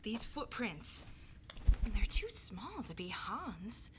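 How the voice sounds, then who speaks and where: A woman's voice: medium pitch, sing-song, slow pace, noisy background. An actress playing an anxious young village huntress in an audio drama, earnest and pleading in her delivery. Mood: worried, determined. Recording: outdoor ambience with birdsong.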